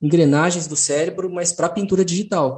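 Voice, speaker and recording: Ordinary pitch variation shapes the speech of a man whose tone is dark and mellow. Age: 40s. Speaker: digital artist and game illustrator. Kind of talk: interview. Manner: halting.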